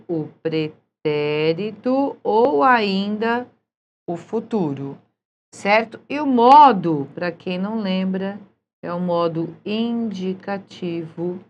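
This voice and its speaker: A woman's voice: fairly low pitch, highs cut off, a little hiss or hum. A woman teaching a recorded grammar lesson, patient and often checking in with her students. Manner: patient, checks in with frequent "certo?".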